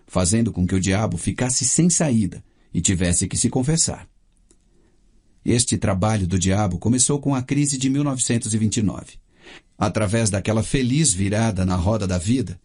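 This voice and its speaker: A man with a Brazilian Portuguese accent reading a first-person audiobook in a steady, measured way. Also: mid-range voice. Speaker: audiobook narrator.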